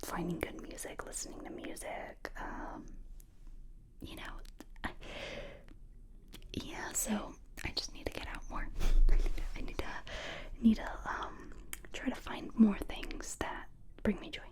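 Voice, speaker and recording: Young woman, soft close whisper, slow unhurried pace, chatty ASMR answers, binaural mic. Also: medium pitch, fairly even intonation. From United States. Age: 20s. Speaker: ASMR creator.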